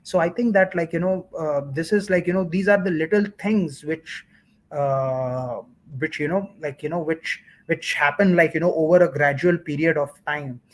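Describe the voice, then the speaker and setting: A man's voice: on the high side, moderate pace. A man, a guest in a casual discussion, constantly saying "like, you know". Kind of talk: casual commentary chat.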